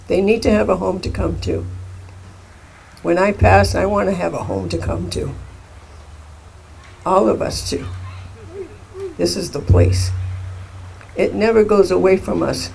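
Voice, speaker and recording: An older man giving a heartfelt, earnest public address at a rally in a deliberate way. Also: high voice, gravelly, a little mellow. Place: outdoor rally. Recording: noisy outdoor event recording.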